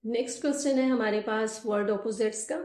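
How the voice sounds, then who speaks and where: Mellow-voiced woman teaching in an echoey room. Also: a little high. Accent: Pakistani. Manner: slow, deliberate explanation, mixing Urdu with English terms. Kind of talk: classroom lesson explaining English grammar.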